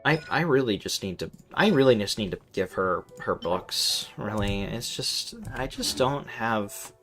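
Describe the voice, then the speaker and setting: A man's voice: lowish voice, expressive, unhurried, fairly bright tone, faint music behind. A man streaming a video game, chatting casually with viewers in a sweary, rambling way and often repeating himself. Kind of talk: casual live stream chat and gameplay commentary.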